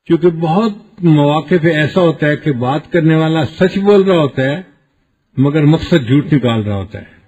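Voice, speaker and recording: A male Islamic preacher giving a sermon, explaining with everyday examples and quoted dialogue in a husky voice. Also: fairly high pitch, a little mellow. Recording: dull lo-fi recording.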